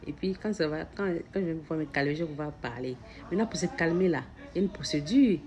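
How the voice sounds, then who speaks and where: A woman's voice: low voice, fast, darkish tone. A mother talking earnestly about self-improvement in a casual, reflective way, often stuttering, repeating words and restarting phrases as she speaks straight to the listener. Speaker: mother sharing personal reflections. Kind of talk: casual spiritual self-help talk.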